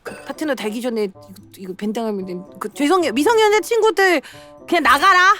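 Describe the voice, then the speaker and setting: Young woman, game streamer, very high voice, swinging wildly, shrieking, game music behind. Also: quick pace. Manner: loud, excitable, often shrieking; comic, playing a panicked husband. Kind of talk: live game streaming commentary.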